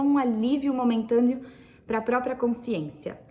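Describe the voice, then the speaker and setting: Through noticeable background noise, a woman speaks with a high pitch. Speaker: online teacher. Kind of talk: online lecture.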